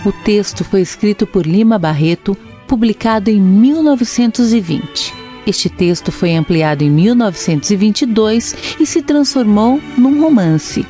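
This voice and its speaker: A woman's voice: medium pitch, warm tone. A woman with a Brazilian accent, hosting a radio programme with scripted introductions and questions. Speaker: radio host.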